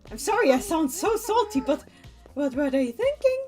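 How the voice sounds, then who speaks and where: High-voiced animated woman streamer. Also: moderate pace, faint music behind. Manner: animated, talks back to game characters, exclaims. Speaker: streamer playing a video game. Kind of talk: casual let's-play commentary.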